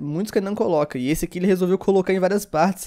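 This man has a high-pitched voice. His tone is animated. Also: quiet background. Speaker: gaming YouTuber; gaming youtuber. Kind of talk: reaction video commentary. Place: home room. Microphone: studio mic.

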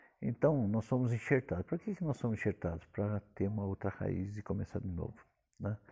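Against a quiet background, a somewhat breathy man talks at a fairly quick pace, with a fairly low pitch, a dark, mellow tone and ordinary pitch variation. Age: 60s. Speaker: pastor. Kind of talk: recorded teaching talk to church parents; sermon-like seminar talk. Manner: casual, repetitive filler-heavy delivery. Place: home room. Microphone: microphone placed very close; phone near.

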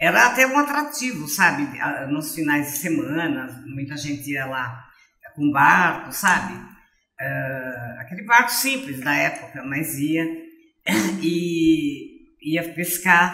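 A woman's very deep, low pitch with very wide pitch swings and big swings in loudness, at a very slow pace, with audible room echo and a quiet background. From Brazil, Santa Bárbara d'Oeste, São Paulo state; São Paulo state, Brazil. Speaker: journalist. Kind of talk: interview. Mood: warm, nostalgic. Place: studio. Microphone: lapel.

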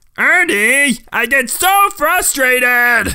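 A man puts on a whiny character voice at an extremely high pitch, speaking very slowly on a very clean recording with a silent background. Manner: exasperated, whiny.

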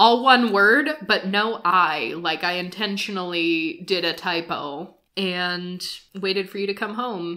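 Very slowly, a woman speaks at medium pitch in a bright, sharp tone. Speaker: podcast co-host. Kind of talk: casual chat.

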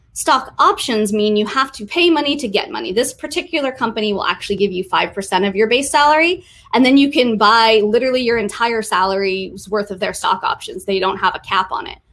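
The speaker moves at a fairly quick pace with hardly any pauses. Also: woman, fairly high pitch for a woman. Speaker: conference speaker. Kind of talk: conference talk. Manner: fast. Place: home room. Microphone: webcam.

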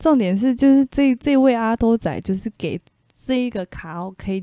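In a very clean recording with a silent background and a dry, close sound with no echo, a woman with a dark, mellow tone speaks at a fairly high pitch with lively intonation. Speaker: comedy podcast co-host. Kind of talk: casual chat. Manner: mumbling.

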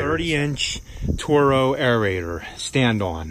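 The man's voice sounds dry, with no echo. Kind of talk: tutorial. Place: garden. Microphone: phone near.

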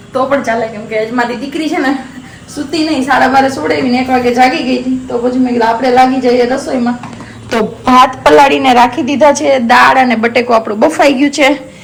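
High pitch and fairly even intonation mark this woman's voice. There is noticeable background noise. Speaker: village vlogger and mother. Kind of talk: casual chat.

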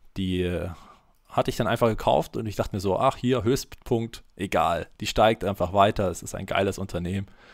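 A man speaks in a plain, everyday voice at a moderate pace, fairly low in pitch with ordinary pitch variation. The recording is very clean, with a silent background. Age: 20s. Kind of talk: interview.

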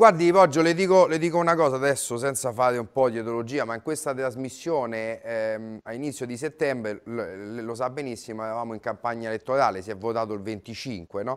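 Over a quiet background, a man talks at a fairly quick pace with hardly any pauses, ordinary pitch variation and big swings in loudness. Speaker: TV show host. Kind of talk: TV interview show. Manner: hesitant, many filler words. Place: studio. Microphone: lapel.

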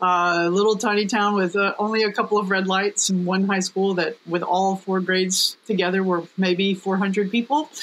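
A woman with an American accent at a moderate pace, with very even loudness, fairly even intonation, hardly any pauses, and light background noise. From US South. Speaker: university band director. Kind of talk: panel discussion. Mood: warm, smiling. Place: home room. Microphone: video call.

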